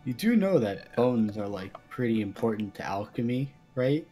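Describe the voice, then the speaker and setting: A man talks informally with fellow players during a roleplay game. His pitch sits in the middle range. There is faint music behind the voice. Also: big pitch swings, moderate pace, mellow. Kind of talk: casual chat with friends during a game. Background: faint background music.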